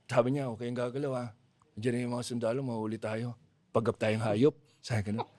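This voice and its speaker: A man's voice: mid-range voice, little pitch movement, fairly quick, a little mellow, no echo. A man, a comedian guest on a podcast, rambling through a long joke and acting out the quotes. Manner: rambling storytelling with acted-out quotes and laughter.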